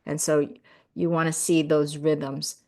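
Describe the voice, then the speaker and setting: A middle-aged woman, born in South Korea and raised in the US, hosts a casual live stream with a slightly low voice. She talks warmly and earnestly, filling her sentences with "you know" and "right?". She grows lively when she thanks viewers. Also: slow. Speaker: live stream host reading viewer comments. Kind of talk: casual live-stream chat about spirituality.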